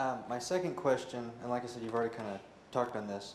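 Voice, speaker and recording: A man with an American accent speaks at medium pitch amid audible room echo. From Oklahoma. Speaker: audience member asking question. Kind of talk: audience question.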